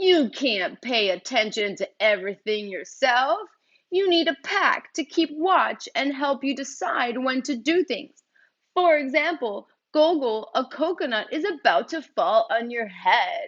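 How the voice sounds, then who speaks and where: In a put-on character voice, a female-sounding speaker growls at a high pitch and a fairly slow pace. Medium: read story.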